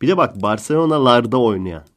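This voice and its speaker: A man voicing a loud, boorish middle-aged male football fan who rants indignantly and repeats himself. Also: mid-range voice, animated, fast, natural voice. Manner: ranting, indignant, repetitive.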